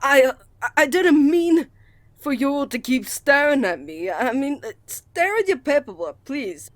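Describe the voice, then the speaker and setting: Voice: high-pitched, big pitch swings, a little slow, no echo. A voice actor playing a shy, flustered male college student in love, stammering, earnest and courteous, in a romantic ASMR roleplay. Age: young adult.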